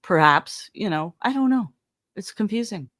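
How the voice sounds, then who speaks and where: A woman giving casual true-crime commentary as a host, thinking out loud with emphatic, conversational phrasing. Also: medium pitch, animated, normal speed. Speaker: podcast host analysing recordings.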